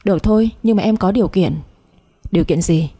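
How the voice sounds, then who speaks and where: A woman reading a blunt, sharp-tongued young woman. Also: mid-range voice, fairly quick, slightly rough, natural voice. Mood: teasing. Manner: outspoken, mocking.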